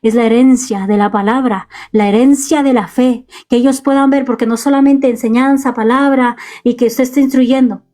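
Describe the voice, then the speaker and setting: A woman's voice: fairly high pitch, steady tone, moderate pace, hardly any pauses, dark tone. A middle-aged woman preaching earnestly to parents from a bedroom in her home. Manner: earnest, exhorting, speaks straight to parents. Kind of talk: home video sermon.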